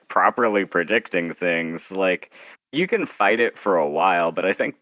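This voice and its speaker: A man with a fairly low voice speaks as an author in a casual interview chat, keeping things informal and often acting out imagined lines of dialogue to make his point. The audio is dull, with no room sound.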